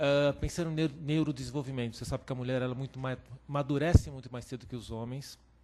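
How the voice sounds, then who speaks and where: This man talks very fast in a dark, mellow tone. His intonation is flat and monotone, while his loudness swings widely. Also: medium pitch for a man. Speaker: physician and brain researcher, panelist. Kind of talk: short panel talk at a seminar. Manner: halting, many fillers and repetitions.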